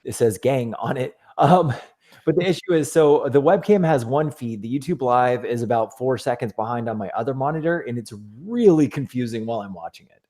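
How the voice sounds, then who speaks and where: A man hosting a casual sports podcast, his voice hoarse and giving out, talking in a loose, rambling way from an echoey, half-empty office. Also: medium pitch, a little fast, mellow. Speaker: podcast host.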